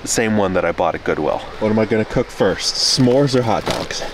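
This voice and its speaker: A man in his thirties vlogs from inside his parked car at night, sounding low-key and a bit defeated, mocking himself as he goes. His voice sits on the low side. A faint hum of noise is there behind him. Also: lively intonation, brisk. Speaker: vlogger. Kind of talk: casual solo vlog. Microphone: camera close by in the car.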